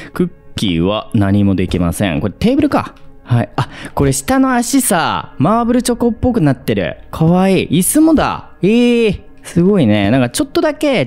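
A young man commentating a horror game, excitable and quick to react with loud, jumpy outbursts. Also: mid-range voice.

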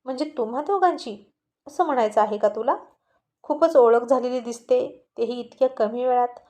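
A woman's voice: a little high, brisk, warm tone, close to an everyday voice. A woman voicing an arrogant, jealous young male college student who talks with a sneer and pushes his point in a storybook reading. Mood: taunting. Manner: sneering, insistent.

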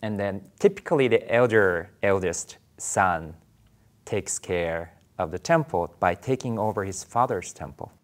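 A man's voice: low-pitched, animated, a little slow. A man in his forties from Japan with a Japanese accent, answering interview questions thoughtfully in a studio, with many fillers and restarts. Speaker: Buddhist priest guest.

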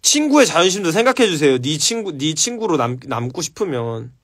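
A man's voice: fairly high pitch, sing-song, brisk. A man hosting a casual live stream, answering viewer questions with blunt, profane advice.

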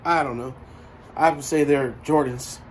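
A man's voice: mid-range voice, crowd noise. A man in his thirties, casually joking and exclaiming as he digs through a storage unit. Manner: excited, joking, quick exclamations. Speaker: vlogger. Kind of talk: casual unboxing chat.

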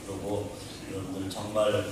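An older man, a pastor, giving an animated welcome speech to his congregation and counting off his points with rising emphasis. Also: sits low, moderate pace. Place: large church hall with seated congregation. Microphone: podium mic, recorded from the audience by a far camera. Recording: distant, very echoey hall with audience noise.

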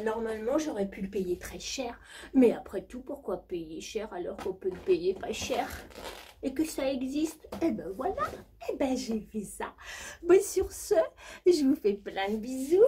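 A woman voicing a posh, rich female jet-setter who talks in a high, breathless, gushing way. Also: warm tone, slight background noise.

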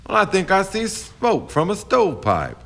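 A man acting a high-pitched, swaggering riverboat captain. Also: wildly swooping pitch, moderate pace, gravelly, a bit bright, heavily acted. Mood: smooth, sly. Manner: swaggering, needling, folksy. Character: brash, sly keelboat captain, falsely friendly. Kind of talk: period radio drama acting. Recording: faint background noise and ambience.

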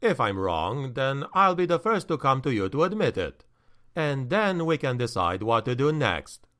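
A man reading a story aloud, voicing a stern male counselor who speaks in a low, steady, measured way.

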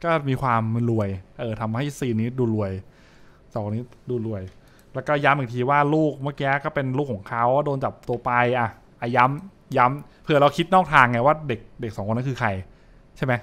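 A man's voice: medium pitch, brisk, fairly bright tone. A young adult man, giving casual live reaction commentary and repeating short phrases as he thinks aloud. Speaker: streamer reacting to horror comics. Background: music.

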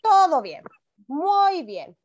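A woman's voice: very high-pitched, sing-song, extremely slow. A woman with a Chilean accent teaching a first-grade class online, affectionate and encouraging with her pupils. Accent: Chilean Spanish. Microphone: video call. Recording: dull lo-fi video call audio.

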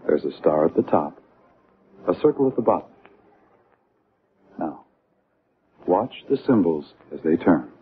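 An actor playing a probing, eager hypnotist doctor in a radio drama. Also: male voice, sits low, sing-song, a little slow, pauses often. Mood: calm, hypnotic. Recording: noisy, tinny old radio broadcast.

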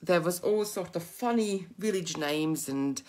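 A middle-aged Hungarian-accented woman with a notably low, deep voice walks viewers through a beading project. She chats freely and drifts into giggly asides as she works at a craft table. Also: a little slow, a little mellow. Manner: chatty, giggly, rambling asides while working. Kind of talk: live beading tutorial.

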